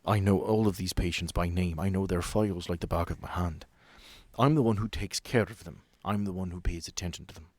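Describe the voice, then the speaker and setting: A man's voice: low-pitched, brisk, a little mellow, no room sound. A man playing a stern, curt female head nurse of a sanatorium in a tabletop horror game, speaking with clipped authority. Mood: curt, haughty.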